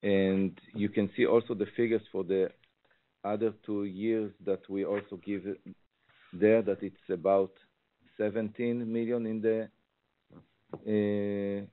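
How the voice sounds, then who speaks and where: A man with an Israeli accent answers on an earnings call as a finance executive, phrasing things haltingly. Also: deep voice. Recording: muffled, tinny phone conference line.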